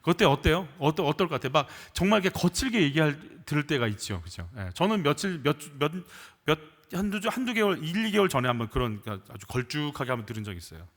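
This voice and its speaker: A male pastor delivers a sermon with a lively, swooping delivery and a fairly high voice. He talks to the congregation conversationally, throwing out rhetorical questions. He builds to emphatic bursts when he voices people's complaints. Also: quick pace, hardly any pauses. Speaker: senior pastor.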